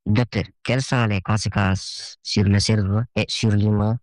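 A man in his twenties leaving an anonymous voice message for a radio show, his voice disguised by a deeper pitch shift, polite and a little hesitant. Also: fairly even intonation, a little slow, dry recording, poor audio. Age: 20s. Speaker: anonymous listener with a recorded question.

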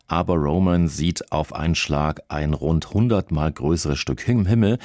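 Male news presenter, very low voice, dry studio sound. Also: a little mellow, no room sound. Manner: smooth announcing, conversational when asking. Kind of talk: news moderation. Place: radio studio.

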